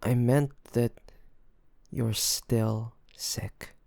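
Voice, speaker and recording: A man playing a loving, worried boyfriend in an intimate roleplay audio drama, speaking gently and hesitantly in a pleading way. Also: medium pitch, steady tone, very slow, gravelly, no echo, clean studio sound. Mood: concerned, pleading. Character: loving, worried boyfriend coaxing his sick partner to rest.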